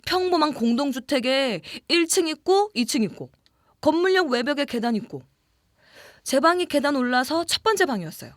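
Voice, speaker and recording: An actress playing a young office worker who recounts an eerie experience in a conversational way, in a horror audio drama. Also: female voice, fairly high pitch, no echo, clean studio sound. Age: young adult. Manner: conversational, animated narration with drawn-out murmurs and whispers.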